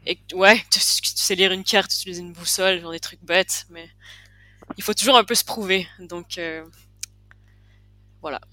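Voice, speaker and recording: A woman from Quebec with a softened Québécois accent, chatting as a podcast guest in a thoughtful way, often restarting her sentences as she searches for words. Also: on the low side, steady tone, moderate pace, pauses often, dry recording. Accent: Québécois, partly softened. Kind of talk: casual podcast chat.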